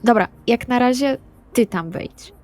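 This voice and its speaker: A woman's voice: a little high, unhurried, darkish tone, faint music behind. A woman playing a tabletop role-playing game, improvising dialogue in character. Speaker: tabletop RPG player.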